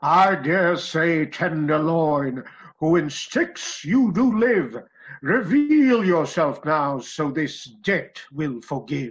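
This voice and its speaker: Over a quiet background, a put-on character voice at middle pitch growls along at a very slow pace. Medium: audio drama. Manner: archaic, pompous, growling.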